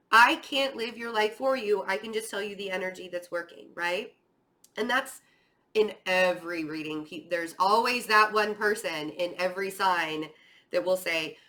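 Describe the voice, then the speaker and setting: A woman hosting an online tarot reading speaks straight to the listener in a chatty, rambling, encouraging manner. Her medium-pitched voice is pushed and bright but starting to tire.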